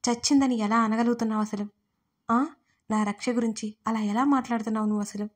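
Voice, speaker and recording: A woman voicing an angry, grieving young man in an audio story, harsh and shouting. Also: fairly high pitch, steady tone, fast talker, close to an everyday voice.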